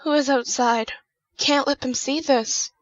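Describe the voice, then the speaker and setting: Woman playing high-voiced, flustered young woman, muffled recording. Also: fairly even intonation, measured pace, no room sound. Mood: panicked. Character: flustered, impulsive 24-year-old woman with a new gadget. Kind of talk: audio drama acting.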